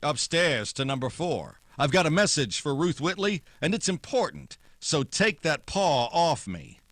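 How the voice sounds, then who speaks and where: An actor playing a hard-boiled, wry private detective with terse, sardonic wisecracks, in old-time radio noir style. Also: male voice, a little high, expressive, measured pace, fairly bright tone, no room sound, exaggerated voice. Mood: guarded, wry.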